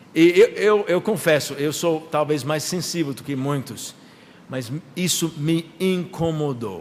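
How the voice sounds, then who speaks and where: This man speaks at a fairly slow pace with a high pitch. Noticeable background noise runs behind him. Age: 60s. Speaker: pastor. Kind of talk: sermon. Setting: church.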